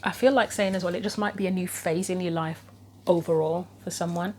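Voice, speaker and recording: A tarot reader on her own channel delivers an informal spoken reading, thinking aloud through the possibilities. Her lowish voice is brisk, steady and a little mellow, with slight background noise. A somewhat troubled throat is making her voice begin to give.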